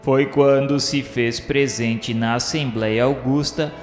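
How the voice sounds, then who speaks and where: A man's voice: mid-range voice, fairly even intonation, takes it slowly. A man narrating a scripted religious radio drama in a solemn, reverent, declamatory literary style. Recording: echoey hall-like reverb with music. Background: music.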